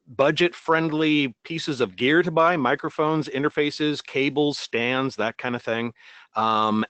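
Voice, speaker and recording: A man explaining recording setup on a webinar in a calm, measured way. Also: medium pitch, no echo. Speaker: recording and studio expert.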